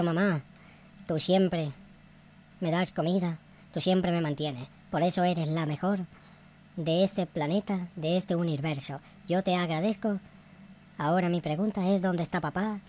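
A man's voice: high-pitched, unhurried, darkish tone, slight background noise. A man voicing a childish, cheeky noob son in a rambling Minecraft roleplay, repeating himself and exclaiming. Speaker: YouTube gamer playing a character.

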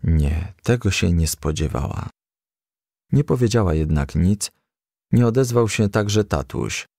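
A man narrates a children's story in a low, creaky voice. His reading is expressive, with pitch that moves widely, and the sound is dry and close. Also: unhurried, no room sound. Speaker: audiobook reader.

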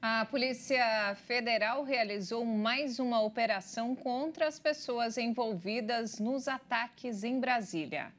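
A woman news anchor reading scripted headlines in a steady, measured way from a TV studio. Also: a little high.

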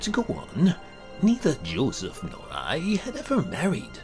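A man narrating a horror story in a deliberate, theatrical and sometimes hushed manner. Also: medium pitch, huge pitch swings, music in the background. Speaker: narrator, amateur voice actor. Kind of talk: dramatic scripted horror narration.

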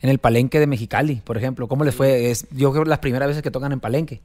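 Guy hosting a podcast, rattles off questions super fast, chill. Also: mid-range voice, fairly even intonation, darkish tone. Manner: rapid, casual questioning. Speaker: podcast host. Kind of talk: casual interview.

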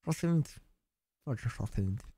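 A man in his twenties, live streaming and chatting, hyper and joking, bursting into shouted catchphrases. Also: mid-range voice, lively intonation, husky, no echo. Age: 20s. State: over-excited. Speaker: gaming streamer.

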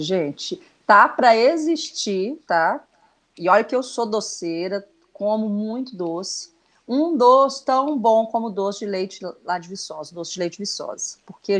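A woman's voice: medium pitch, lively intonation, unhurried. A woman in her thirties with a Minas Gerais accent, a guest chatting enthusiastically over a video call from a small room. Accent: Minas Gerais Portuguese. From Brazil. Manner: chatty, enthusiastic, lots of fillers. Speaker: guest musician. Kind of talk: casual TV chat. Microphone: laptop video call.

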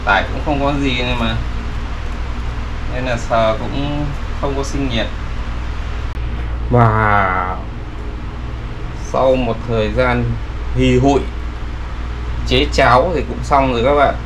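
A man's voice: mid-range voice, slow pace, long pauses. Male DIY vlogger from Vietnam, casual explainer with fillers, audible background noise.

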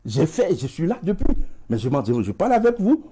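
A man's voice: high-pitched, sing-song, a little fast, mellow, slight background noise. A middle-aged man with a West African French accent, a guest in a TV studio interview, who gestures widely and stumbles over repeated words. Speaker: studio guest, emigration expert. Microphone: lapel mic.

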